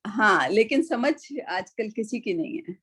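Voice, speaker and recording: A woman's voice: mid-range voice, animated, a bit bright. A woman teaching an online class, casual and chatty, mixing English phrases into her speech and often checking in with her students. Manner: casual, chatty, mixes English into speech, keeps asking "right?". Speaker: Quran and Arabic teacher.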